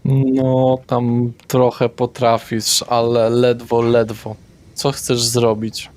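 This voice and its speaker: A man running a tabletop vampire game as game master, describing scenes deliberately with pauses and fillers. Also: medium pitch, monotone, darkish tone.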